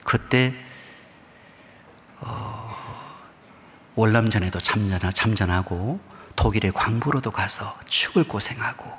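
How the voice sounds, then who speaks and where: A middle-aged man with a Gyeongsang accent preaches in a low voice. He tells a story and often sinks into a soft, hushed near-whisper. His words ring out with the long echo of a church hall. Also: unhurried, pauses often, a little hiss or hum. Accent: Gyeongsang dialect. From Busan, South Korea. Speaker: pastor. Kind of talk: sermon. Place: church sanctuary.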